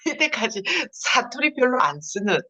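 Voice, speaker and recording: Lively woman with Busan dialect. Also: fairly high pitch, a little slow, a little hiss or hum. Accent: Busan Gyeongsang dialect. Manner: chatty, laughs often, lively. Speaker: network marketing leader giving a seminar. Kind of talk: Zoom seminar talk. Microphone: video call. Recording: dull lo-fi video call audio.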